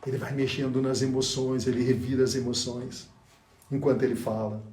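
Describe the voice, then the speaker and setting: A man teaching a public speaking lesson, demonstrating by shifting his loudness and pausing for effect. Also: medium pitch, flat delivery, reverberant, recorded from a distance. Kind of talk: speech course lesson.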